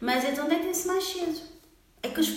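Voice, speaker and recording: A woman is speaking. Room echo is audible. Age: 40s. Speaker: holistic personal trainer. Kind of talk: casual chat.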